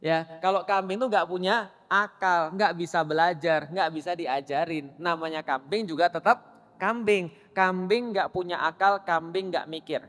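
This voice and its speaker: A male preacher with a notably high voice, giving a sermon to a gathering of women. He keeps quizzing them with quick questions, and the long echo of a hall hangs behind his words. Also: steady tone, fairly bright tone. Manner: quizzes the audience with rapid questions. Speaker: Islamic preacher.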